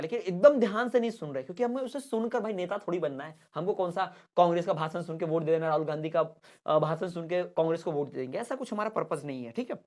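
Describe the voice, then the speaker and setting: Male teacher coaching students for exams. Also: high-pitched. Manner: reads English lines slowly, then explains them; keeps saying "bhai" and "remember this". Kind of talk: exam-prep lesson.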